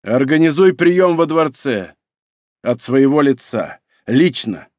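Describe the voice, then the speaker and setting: A man voicing a stern, quick-tempered emperor who barks commands, in a dry audiobook reading. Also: mid-range voice, animated, a little mellow, dry recording. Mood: furious. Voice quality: barking, commanding.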